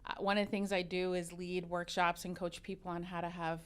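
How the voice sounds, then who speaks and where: A woman's voice: on the low side, a little fast, smooth. Candid woman in her fifties. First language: Arabic. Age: 50s. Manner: candid, animated storyteller with frequent restarts. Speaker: guest, religious educator and consultant. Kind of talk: casual interview talk.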